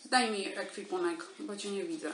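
A middle-aged woman playing a stern, dry army major in a radio comedy, questioning in a clipped, commanding, deadpan way. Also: medium pitch, moderate pace, close to an everyday voice. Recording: roomy home recording with music.

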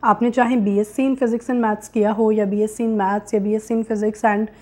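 A woman's voice: medium pitch, flat delivery, unhurried, warm tone. A young adult woman, hosting a career guidance explainer and addressing viewers directly as she mixes in English terms. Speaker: host of career guidance videos. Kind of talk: explainer to camera, mixing Hindi with English terms. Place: small indoor room with curtains, seated.

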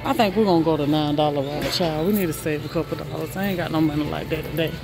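A woman's voice: low-pitched, fast talker, over music. A woman vlogging while she shops in a large warehouse store, chatting to viewers and exclaiming over prices. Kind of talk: casual shop-with-me narration. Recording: noisy store background. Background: store noise.

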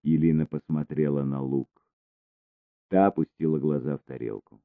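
A man with a very deep voice reads an audiobook in a measured, even way. The sound is dry and narrow, like a phone line. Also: no echo. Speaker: audiobook narrator. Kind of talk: scripted narration. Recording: tinny phone-like dry recording.

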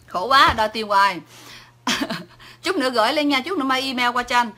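Woman, Southern Vietnamese accent, livestream host; bright, slightly high voice, talkative and teasing. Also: expressive, normal speed. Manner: talkative, chatty, laughs often, teasing. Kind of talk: casual livestream chat answering viewer comments.

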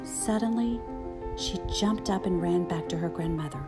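A woman's voice: fairly low pitch, normal speed, music in the background. An older woman narrating a children's picture book as a story time reader.

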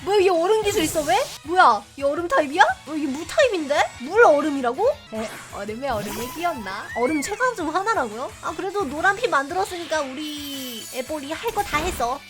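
A young woman giving casual, chatty commentary as she plays a game, reacting loudly, laughing often and teasing her viewers. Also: sits high, sing-song, brisk, hardly any pauses. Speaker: game streamer. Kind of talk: casual let's-play commentary. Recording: game music behind the voice.

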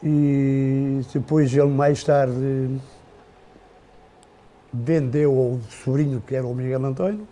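An older Portuguese man, a podcast guest, slowly recalling his family's past in a halting, unhurried way with many restarts. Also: mid-range voice, steady tone, dark tone. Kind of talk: casual reminiscing.

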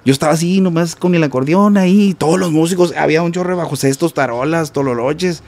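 A Mexican man with a voice pitched a little high tells a long story in a relaxed interview. He talks in an animated way, repeating words and sounding out notes with "ta ta". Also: quick pace. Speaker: guest musician.

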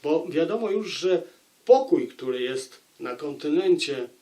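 A man giving an unscripted book review, speaking deliberately and repeating phrases for emphasis. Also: fairly high pitch, expressive, warm tone.

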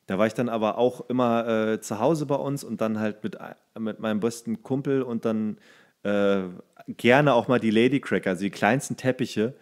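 A man's voice: lowish voice, normal speed. A young adult man, a podcast co-host telling long anecdotes in casual chat, with many fillers and restarts.

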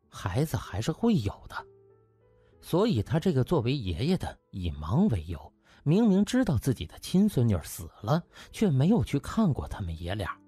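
A man's voice: mid-range voice, warm tone, husky. A man narrating a novel as a dramatised audiobook.

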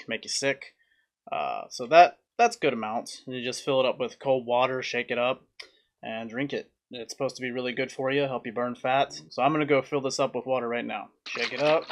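A young adult man giving a casual food review to camera, speaking plainly in short, halting phrases. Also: medium pitch, fairly bright tone. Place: small room indoors at home.

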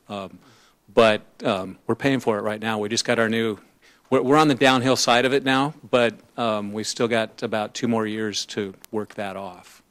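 A man, a business owner, sharing his own experience on a panel in a plainspoken, hesitant way. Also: medium pitch.

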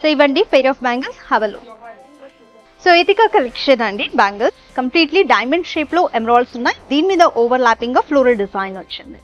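In a jewellery showroom, a young female presenter talks fast and animatedly in a high, bright voice, cheerfully pitching products in a blend of Telugu and English. It's a product showcase for a jewellery store. The recording is a dull, lo-fi voice track with soft music faintly underneath.

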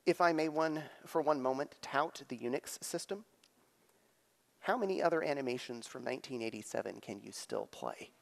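A middle-aged man giving a live technical keynote on stage, explaining in an animated way with frequent pauses and emphasis. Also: medium pitch, creaky. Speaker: conference keynote speaker. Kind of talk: live technical presentation with demonstrations. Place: on stage in a theater, at a lectern. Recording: echoey theater hall reverb.

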